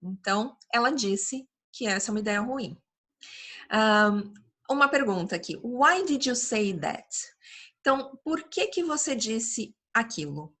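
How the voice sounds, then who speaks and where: A woman with a Brazilian Portuguese accent, teaching an online English lesson, explaining patiently and reading English examples slowly and carefully. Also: on the high side, expressive, bright, forceful tone.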